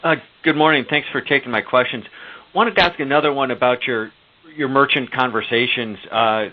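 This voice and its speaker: A man's voice: mid-range voice, normal speed. A man asking questions as a financial analyst on an earnings call, politely and tentatively rephrasing as he goes. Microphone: telephone. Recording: narrow phone-line sound.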